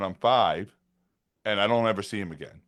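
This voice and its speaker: A man speaks with a New York accent. His pitch varies in an ordinary way. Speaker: author and speaker. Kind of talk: interview. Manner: slurred enunciation.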